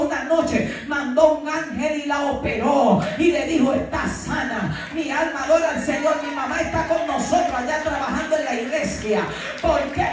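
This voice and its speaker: A middle-aged woman pastor preaching with fervor, often rising to a shout and acting out the people in her stories. Her voice rings through a big, echoey church hall. She stands well away from the microphone. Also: high-pitched. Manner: fervent, often shouting, tells stories with acted dialogue. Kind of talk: sermon. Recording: very echoey hall, voice far from mic.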